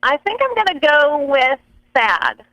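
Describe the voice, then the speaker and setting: A woman from Rhode Island calling in to a live show over the phone, soft-spoken and unhurried. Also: high voice, sing-song, no room sound, muffled recording. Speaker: caller.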